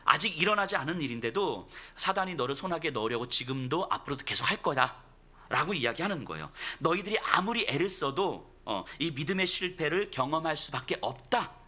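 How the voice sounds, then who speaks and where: Animated, bright-voiced male pastor preaching. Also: fairly high pitch, brisk. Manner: expressive, acts out dialogue. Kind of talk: sermon.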